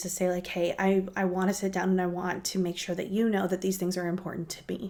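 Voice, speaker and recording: A woman speaks at a medium pitch. Her tone is dark and mellow. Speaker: YouTuber reviewing TV episodes. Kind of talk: emotional monologue to camera. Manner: halting, stumbling over words.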